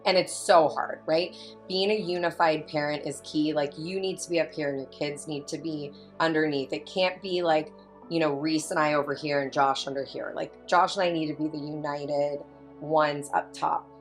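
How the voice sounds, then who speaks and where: Thirties woman, low register, candid and animated, podcast guest with quiet music behind. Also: moderate pace. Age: 30s. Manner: candid, animated storytelling with quoted asides. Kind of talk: casual chat.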